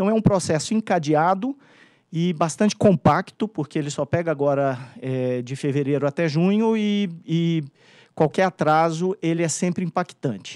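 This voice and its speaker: Against a quiet background in a dry sound with no echo, a man with a high pitch speaks at a moderate pace with ordinary pitch variation. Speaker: regulatory agency technical staff; presenter. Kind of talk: technical presentation. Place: meeting room.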